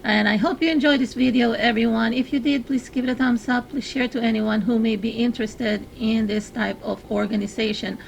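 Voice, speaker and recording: Husky-voiced woman with a gravelly edge. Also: fairly high pitch, steady tone, brisk, hardly any pauses, slight background noise, rough recording. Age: 50s. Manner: chatty, explains step by step. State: hoarse from allergies. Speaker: craft channel host. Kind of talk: casual DIY tutorial. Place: craft room in a home loft.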